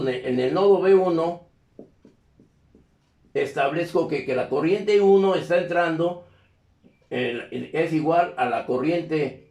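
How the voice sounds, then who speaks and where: A male teacher giving a live electronics class, often pausing to ask students if they follow. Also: on the high side. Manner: constantly checks in with questions to the class. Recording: echoey classroom.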